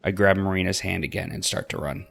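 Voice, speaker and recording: A man narrating a story game aloud as a let's play host, expressive in his reading. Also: low-pitched, fast talker, gravelly, faint music behind.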